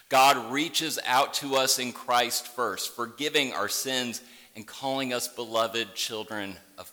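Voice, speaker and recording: A middle-aged man with an Upper Midwest accent that has picked up a Southern tinge delivers a sermon in an easy, conversational way. His tone is bright and forward. The sanctuary carries a long, lingering reverb. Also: medium pitch. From Michigan, Upper Midwest. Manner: gentle, conversational preaching. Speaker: pastor. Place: church sanctuary.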